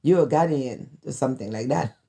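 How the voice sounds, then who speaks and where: A woman's voice: extremely low pitch, fairly quick, mellow, breathy edge. A woman from Haiti with a Haitian accent, chatting as a guest and telling stories with laughter in simple English. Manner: laughs while telling anecdotes, plain broken English. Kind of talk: casual conversation, storytelling.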